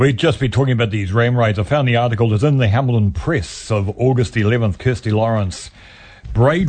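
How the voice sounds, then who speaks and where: A somewhat breathy man talks with a New Zealand accent. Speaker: community radio host. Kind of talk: radio presenting. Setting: radio studio.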